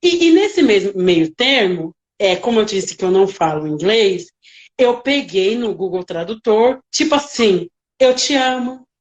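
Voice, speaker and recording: A woman working as a nanny, telling stories in a casual interview with lively, emotional reenactments. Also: medium pitch, measured pace, lo-fi sound.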